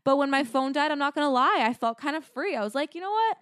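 A young woman co-hosting a podcast, telling stories in an animated, chatty way. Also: high-pitched, quick pace, no echo, clean studio sound. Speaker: podcast co-host. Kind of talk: casual chat.

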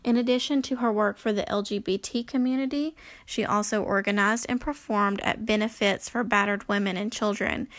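A woman's voice: mid-range voice, steady tone, brisk, few pauses, a bit bright, dry recording. A woman reading book passages aloud at home in a casual way, with frequent fillers and self-corrections. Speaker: reader presenting history from books. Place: home room.

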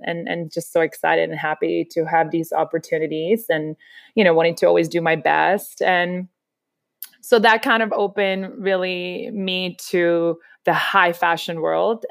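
A woman's voice: on the low side, dry recording, studio quality. A woman, telling her story as a podcast guest in an enthusiastic, rambling way. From Czech Republic. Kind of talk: casual interview chat.

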